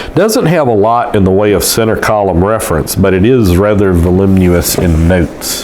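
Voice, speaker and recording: Hardly any pauses break the speech of a man with a fairly low pitch, ordinary pitch variation and very even loudness. Audible room echo and noticeable background noise are present. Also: moderate pace. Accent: Southern US. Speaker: pastor. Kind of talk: product review. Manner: casual, rambling with fillers.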